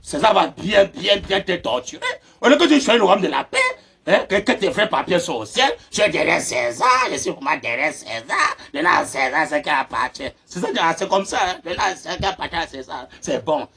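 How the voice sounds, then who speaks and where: Male preacher, gravelly and husky, laughs and shouts amens through a mocking sermon. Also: fairly high pitch, sing-song, a little fast.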